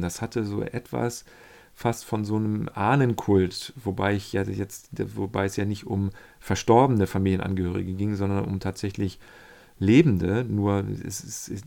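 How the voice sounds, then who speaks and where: A man telling a casual, reflective account of his pilgrimage, often pausing and searching for the right words. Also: fairly low pitch, creaky, darkish tone. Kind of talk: casual spoken travel account.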